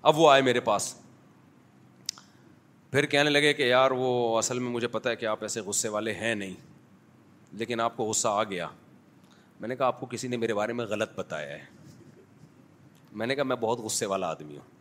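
A man's voice: medium pitch, long pauses, a bit bright, slight background noise. Frank, humorous male preacher. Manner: frank, humorous storytelling with acted dialogue. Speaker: mufti giving a Sunday lecture. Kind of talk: sermon with anecdotes and audience questions. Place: mosque, before a congregation.

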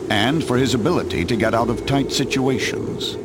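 A man's voice: medium pitch, normal speed, over loud music. A man narrating in a formal announcer tone from an archive recording.

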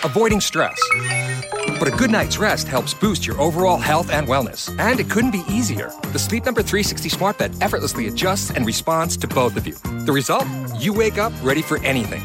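A man delivers a modern commercial voice-over. He talks fast with very lively intonation, and music plays clearly underneath. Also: fairly high pitch. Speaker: advert announcer.

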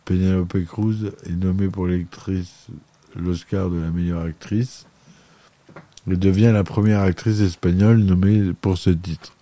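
A man's voice: low-pitched, steady tone, measured pace, dark tone, dry recording. A man hosting a podcast, reading a film chronicle aloud with frequent stumbles and self-corrections. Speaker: podcast host.

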